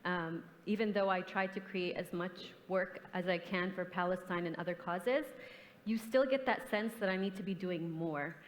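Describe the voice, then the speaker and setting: A woman's voice: mid-range voice, slight background noise. A young woman, an artist, answering on a forum panel in an earnest, reflective, impassioned way. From grew up in the US and Canada. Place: large conference hall. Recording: hall reverb, stage mic.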